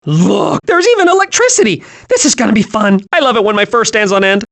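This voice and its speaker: A man voicing a childlike, gleeful, hyperactive squirrel in an animated video game, excitable and naively cheerful. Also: high-pitched, brisk, creaky, full character voice.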